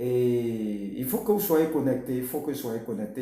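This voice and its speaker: Audible room echo around a man's speech, his pitch varying normally. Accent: Ivorian. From Côte d'Ivoire. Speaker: prophet and preacher. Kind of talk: personal testimony and channel introduction. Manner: repetitive, emphatic.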